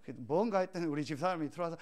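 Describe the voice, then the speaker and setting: Brief: male pastor, high voice, storytelling sermon with loud, emphatic rhetorical questions. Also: rapid-fire.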